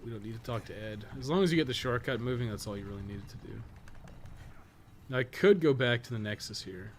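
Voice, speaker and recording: A man's voice: medium pitch, fast talker, slight background noise. A man giving casual live gameplay commentary, thinking aloud in a rambling way and swearing casually. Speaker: podcast co-host and game guide writer.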